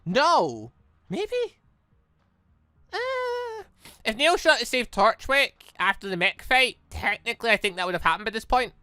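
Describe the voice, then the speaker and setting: A man hosting a let's play, rambling excitably and thinking aloud in casual commentary. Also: very high voice, measured pace, dry recording, clean studio sound. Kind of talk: casual game commentary with read-out dialogue. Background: faint music.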